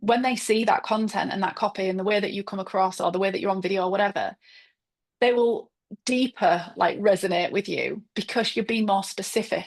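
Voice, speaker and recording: A woman with a strong Northern English accent, medium pitch, fairly even intonation, and a fairly quick pace. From northern England. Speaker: business mentor. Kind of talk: podcast interview. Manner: fast; direct.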